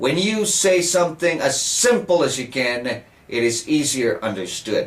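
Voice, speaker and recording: Speaking at a fairly slow pace, a man with a high voice makes very wide pitch swings against noticeable background noise. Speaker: English teacher. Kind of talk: tutorial. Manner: slow, deliberate.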